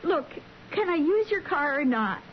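A woman's voice: high voice, big pitch swings, normal speed. An actress in a radio drama playing a tense, urgent young woman, hesitant and stammering yet insistent. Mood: evasive, impatient. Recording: dull, slightly noisy radio broadcast.

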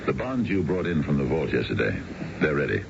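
A dignified, scheming older businessman with an extremely low voice and formal, measured delivery. It is a seventies radio play with a dull, noisy sound. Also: sing-song, vocal fry, full character voice. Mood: brisk, official. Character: dignified older male executive, secretly a crooked schemer. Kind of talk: 1970s radio drama acting.

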